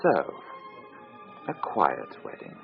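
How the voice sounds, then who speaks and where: A breezy, swooping Victorian gentleman. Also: rumbling low, huge pitch swings, slow, music in the background, exaggerated voice. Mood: glib. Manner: breezy, smooth and wry. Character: glib, ambitious Victorian gentleman, a bridegroom. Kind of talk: period radio drama acting. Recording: dull broadcast audio with faint hiss.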